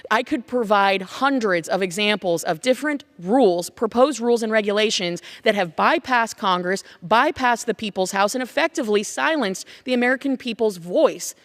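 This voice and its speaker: A congresswoman giving a forceful, rhetorical floor speech in a large legislative chamber, building her case with repeated phrases. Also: mid-range voice, expressive, normal speed, few pauses.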